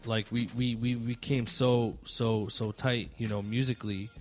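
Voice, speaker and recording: A man's voice: medium pitch, flat delivery, moderate pace. A man who works as a music producer hosting a panel in casual, slangy, conversational talk with some swearing. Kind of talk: casual chat.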